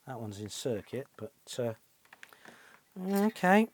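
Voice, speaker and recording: A middle-aged British man with a mid-pitched voice talks through hands-on repair work in a casual way. He muses to himself as he goes, often turning remarks into little questions. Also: very animated, takes it slowly, husky. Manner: musing, thinking aloud with tag questions. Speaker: repair channel host, electronics technician. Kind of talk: casual hands-on workbench commentary. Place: small cluttered indoor electronics workshop.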